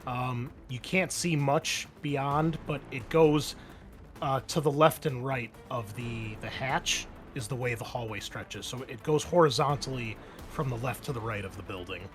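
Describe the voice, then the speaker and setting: A man's voice: mid-range voice, a little slow, soft background music. A man running a tabletop game as game master, improvising narration in a conversational, explanatory way.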